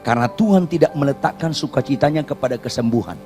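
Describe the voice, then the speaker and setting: A man's voice: medium pitch, fast, faint music behind. A male pastor preaching a sermon, telling stories with animation and hammering points home. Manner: animated, emphatic storytelling, repeats points for emphasis.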